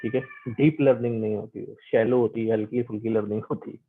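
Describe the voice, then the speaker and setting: A man with a South Asian accent teaching a class, reading English text slowly and explaining it point by point, mixing in English terms. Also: on the low side, steady tone, creaky. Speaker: teacher giving an online class. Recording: narrow, tinny online-call audio.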